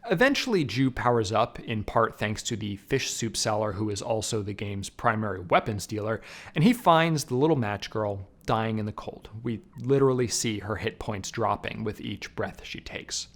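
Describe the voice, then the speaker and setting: A man's voice: fairly low pitch, lively intonation, moderate pace, fairly bright tone. A man narrating a scripted film review in an emphatic, wry way with casual asides. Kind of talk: scripted video essay narration.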